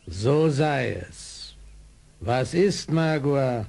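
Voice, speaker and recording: Old dying tribal chief, heavy creak, slow solemn speech, husky, radio drama. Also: male voice, medium pitch, lively intonation, darkish tone, exaggerated voice. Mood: grave. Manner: slow, solemn, ceremonial delivery. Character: ancient dying male Native American chief, solemn and weary. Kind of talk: 1970s German radio play acting.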